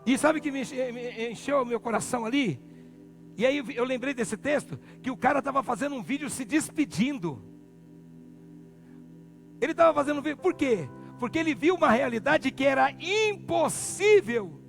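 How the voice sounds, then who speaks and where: A male pastor with a Brazilian accent preaching a sermon, swinging from low murmurs to loud shouted peaks. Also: expressive, normal speed, creaky. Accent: Brazilian Portuguese. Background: music.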